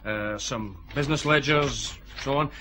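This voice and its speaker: A man's voice: mid-range voice, unhurried, bright, forceful tone, a little hiss or hum. An actor playing an eager young male police constable in a radio drama, speaking deferentially and hesitantly in a voice.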